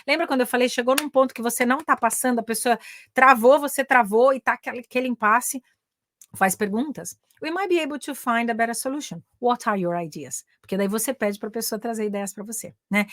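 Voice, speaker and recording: A woman's voice: on the high side, a bit bright, no room sound, studio quality. A woman with a Brazilian accent teaching business English in a live online class, chatting with her audience and repeating example phrases. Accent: Brazilian Portuguese. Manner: switches between Portuguese and English examples, chatty, addresses audience as gente.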